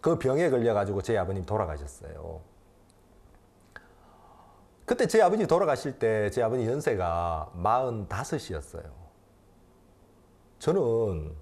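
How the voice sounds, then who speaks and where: Here a man in his fifties preaches as a pastor, his fairly low voice shifting from forceful declarations to soft, intimate moments. He repeats phrases to underline his message.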